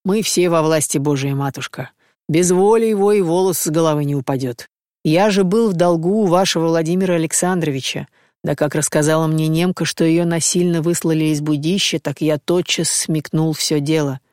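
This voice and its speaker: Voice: mid-range voice, a little fast, darkish tone, no echo, studio quality, close to an everyday voice. A reader voicing a humble middle-aged male gypsy chieftain in an audiobook, speaking deferentially in a folksy, homely way.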